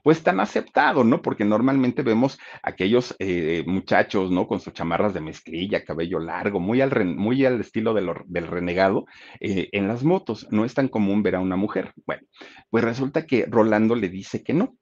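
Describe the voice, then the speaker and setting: Lively Mexican man telling a story. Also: on the low side, moderate pace, dull audio. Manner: animated, chatty, asks rhetorical questions. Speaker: storyteller host. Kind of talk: casual storytelling narration.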